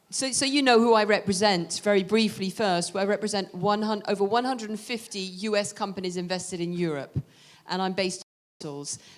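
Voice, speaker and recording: In a British accent, a woman talks at a fairly quick pace with a medium pitch and ordinary pitch variation. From Britain. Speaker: business association executive. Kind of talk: panel discussion.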